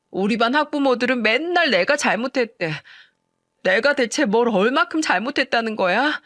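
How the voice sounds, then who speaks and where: A woman's voice: fairly high pitch, fairly bright tone, dry recording, pitched above the performer's own voice. A narrator voicing a weary young female teacher who complains to her mother about her students and their parents, heard dry and close. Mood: drunk, aggrieved. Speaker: elementary school teacher.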